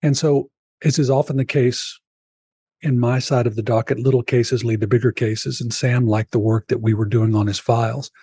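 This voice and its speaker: A man of around sixty shares a personal story as a guest on a podcast, addressing the host by name. His mellow, slightly raspy mid-range voice is steady and at normal speed, recorded dry and close on the mic. He speaks earnestly and reflectively.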